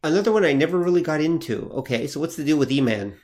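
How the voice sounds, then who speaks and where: A man's voice: fairly high pitch, lively intonation, quick pace, a little mellow. A man co-hosting a podcast, curious and asking short questions. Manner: curious, brief prompts and affirmations. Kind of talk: casual podcast chat.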